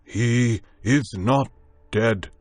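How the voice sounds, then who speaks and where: A man voicing a drunk, gruff man in a storybook reading, speaking slowly and with a slight slur. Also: low-pitched, animated, no echo, full character voice.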